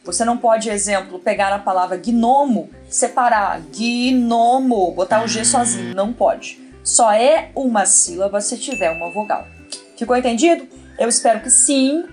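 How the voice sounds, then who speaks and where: A Brazilian woman teaching an online Portuguese grammar lesson, lively and talking straight to the viewer with questions. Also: medium pitch, moderate pace, soft background music.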